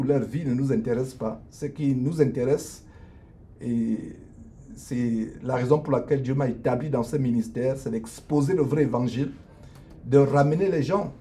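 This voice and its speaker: A middle-aged man, a lawyer and online minister, speaking on an improvised live stream from his office, hesitant with many drawn-out fillers and restarts, and earnest in a preachy way. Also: medium pitch, dark tone. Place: his law office at lunch break.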